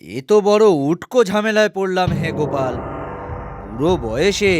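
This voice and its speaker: A man's voice: high-pitched, sing-song, normal speed, dry recording, studio quality. A man voicing an amiable, grumbling old court poet in a cartoon. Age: older. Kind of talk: cartoon voice acting. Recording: music behind the voice.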